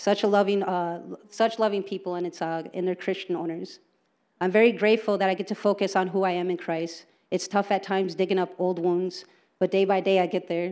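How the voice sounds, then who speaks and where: In an American accent, the speaker talks at a fairly quick pace with monotone, flat intonation against a quiet background. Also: woman, medium pitch for a woman. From Green Bay, Wisconsin. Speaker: recovery program graduate. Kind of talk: reading aloud; testimony. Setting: church.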